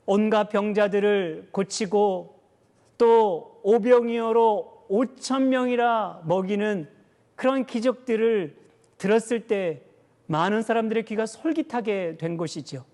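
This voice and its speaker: High-voiced man preaching in a reverberant hall. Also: a little mellow. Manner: earnest preaching, slows to stress scripture, frequent "uh" fillers. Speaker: pastor. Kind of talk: sermon. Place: church sanctuary. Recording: long reverb of a church hall.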